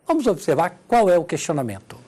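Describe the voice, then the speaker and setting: A woman's voice: on the low side, big pitch swings, fast, music in the background. A woman teaching Portuguese grammar in a televised lesson, walking through examples and checking in with her listeners. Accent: Brazilian Portuguese.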